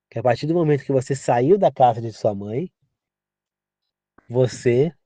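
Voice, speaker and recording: A man's voice: mid-range voice, darkish tone, dry recording. A man from Brazil giving an informal sermon, earnest and repetitive, often turning to the listener with direct questions. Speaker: preacher. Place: rural home.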